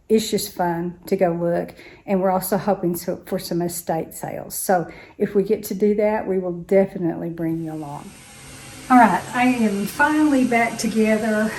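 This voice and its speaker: Slightly hoarse chatty woman vlogger. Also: mid-range voice, a little mellow, a little hiss or hum, poor audio. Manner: rambling, chatty, thinks aloud. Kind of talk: casual vlog chat.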